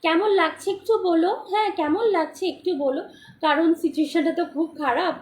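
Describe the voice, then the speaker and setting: A hoarse woman hosting a live-stream jewellery sale, repeating prices and often checking that viewers follow. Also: very high voice, a little fast, echoey room. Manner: repetitive, keeps asking for confirmation. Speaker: jewellery seller. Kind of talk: live-stream sales pitch.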